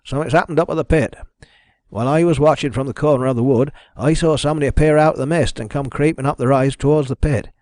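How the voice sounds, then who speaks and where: A man's voice: mid-range voice, quick pace, darkish tone, no echo, clean studio sound, close to an everyday voice. Man acting a shaken, plain-spoken village constable. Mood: shaken, urgent. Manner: urgent, deferential, plain-spoken. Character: shaken village constable reporting to his superior.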